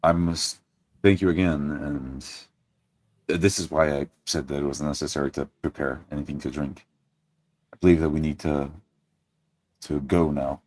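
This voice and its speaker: A man voicing a courteous, earnest adventurer in a tabletop game, speaking formally and politely with halting pauses. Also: rumbling low, fairly even intonation, darkish tone, dry recording.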